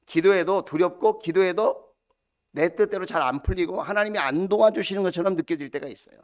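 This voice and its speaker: A male pastor preaching a sermon, animated, full of rhetorical questions and acted-out quotes. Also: sits high, a little fast. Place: church sanctuary.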